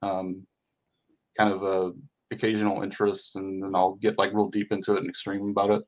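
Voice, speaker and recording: Laid-back man guest, lower voice. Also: monotone, a little fast. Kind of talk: casual group video call.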